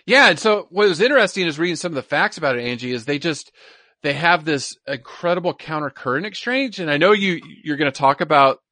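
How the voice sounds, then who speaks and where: Bright-voiced man co-hosting a casual podcast. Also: a little high, lively intonation, fairly quick, dry recording, clean studio sound. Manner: repeats himself, informal explaining. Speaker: podcast co-host. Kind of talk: casual science chat.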